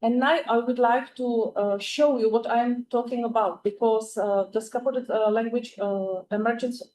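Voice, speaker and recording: A woman with a Czech accent, a native Czech speaker, giving an academic conference talk in English, with many "uh" pauses and careful phrasing. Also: a little high, fairly even intonation, dark tone, slight background noise, poor audio. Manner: frequent "uh" fillers, careful non-native phrasing. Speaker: conference presenter.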